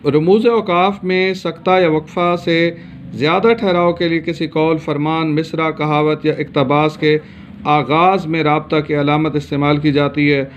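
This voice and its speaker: A man from Pakistan gives a grammar lesson with a somewhat high voice. He explains steadily and fills pauses with hesitation sounds. The recording is dull and lo-fi. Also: fairly even intonation, a little hiss or hum. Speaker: teacher.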